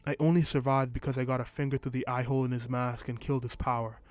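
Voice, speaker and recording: A man reading a short story in scripted first-person narration, telling it at a steady, even pace. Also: mid-range voice, fast.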